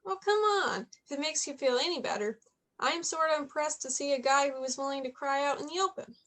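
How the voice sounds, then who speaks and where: A woman playing a high-voiced, inquisitive college girl. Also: fairly quick, fairly bright tone. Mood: playful, persistent. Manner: chatty, teasing, probing. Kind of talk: staged reading of a play, naturalistic dialogue.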